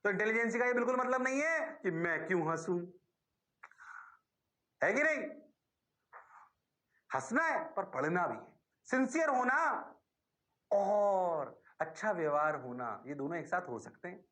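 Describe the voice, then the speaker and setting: A middle-aged man with a Rajasthani accent teaching physics in an online class, lively, answering his own questions in the students' voice. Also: high voice, moderate pace.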